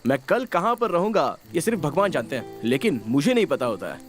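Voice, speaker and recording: A man's voice: on the high side, sing-song, brisk. An actor dubbing a playful young man who teases and jokes with a woman he is looking after. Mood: easygoing. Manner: teasing, joking banter. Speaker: film hero in a dubbed movie. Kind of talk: Hindi film dubbing. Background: film music.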